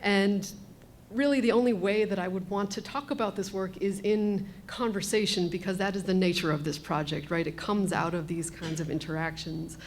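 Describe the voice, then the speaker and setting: A woman speaking as an author at a live event, with measured, gracious and careful phrasing. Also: fairly even intonation. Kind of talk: live public talk, thoughtful conversation. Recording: noisy live event with rumble.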